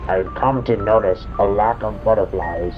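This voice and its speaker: A man's voice: lowish voice, measured pace, close to an everyday voice. A man voicing a grumpy, bookish know-it-all puppet neighbor in a children's show, pedantic and dry. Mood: dry, insistent. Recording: muffled lo-fi tape with chiming music.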